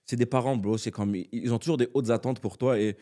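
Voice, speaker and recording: Man, comedian guest, mellow voice, animated, slangy, mixes english. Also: mid-range voice, fast talker. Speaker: comedian and actor, podcast guest. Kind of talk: casual storytelling in conversation.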